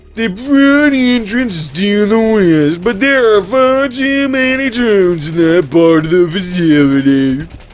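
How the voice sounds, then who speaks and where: In a put-on character voice, a man talks high for his sex at a fairly slow pace. He hardly pauses at all. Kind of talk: video game dialogue read aloud. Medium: game stream. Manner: anxious, folksy, evasive.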